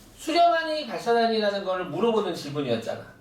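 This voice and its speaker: There's audible room echo around this man. His pitch is extremely high. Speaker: math teacher. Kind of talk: lecture. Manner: animated.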